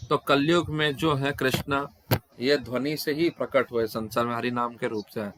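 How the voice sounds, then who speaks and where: With a noisy background behind him, a man interprets questions and answers for a devotional scripture class on an online video call. He keeps a steady tone, medium pitch, and moderate pace, though he often halts mid-phrase to restart a word.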